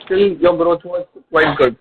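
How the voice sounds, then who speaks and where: A man's voice: fairly high pitch, fairly even intonation, a little slow, slight background noise. A man with an Indian accent questioning company management on an earnings call as an investor, persistent and probing. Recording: tinny narrow phone line.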